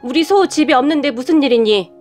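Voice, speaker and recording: A cold, scornful middle-aged mother, as a woman narrator puts her on, snapping and scolding in a storybook reading. The voice sits high, with faint music underneath. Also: animated, brisk. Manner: sharp, scolding, talks down.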